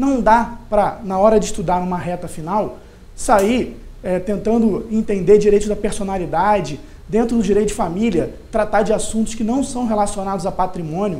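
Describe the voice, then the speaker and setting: In a room with audible echo, a man with a high pitch talks at a moderate pace with ordinary pitch variation. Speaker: law professor. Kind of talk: lecture. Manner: animated.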